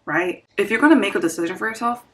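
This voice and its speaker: A woman's voice: mid-range voice, lively intonation, fast, poor audio. A woman in her twenties talking earnestly and reflectively in a personal vlog, repeating phrases for emphasis. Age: 20s. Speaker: vlogger.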